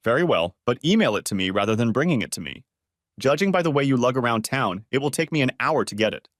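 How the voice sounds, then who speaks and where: A stern female supervisor scolds in a curt, sarcastic way, voiced by a male narrator. Her pitch moves a lot. The sound is dry and close. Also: expressive, fast, a bit bright, no room sound, lightly acted.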